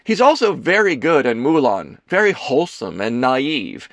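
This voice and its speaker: A man's voice: mid-range voice, sing-song, normal speed, no room sound, voice pushed up. A man voicing a dramatic, bossy, flirtatious actress with a theatrical, exclaiming delivery in an audiobook. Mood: teasing, bossy. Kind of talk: audiobook character dialogue.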